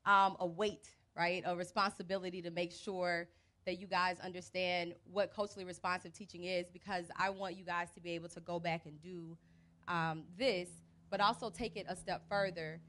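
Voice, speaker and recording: Under a big event tent outdoors, a young adult teacher coach with an American accent talks informally and colloquially to a live crowd, her handheld mic feeding PA speakers. She comes from Birmingham, Alabama and Cleveland, Ohio, in the United States. Her voice is on the low side, a bit bright, and steady at a normal speed.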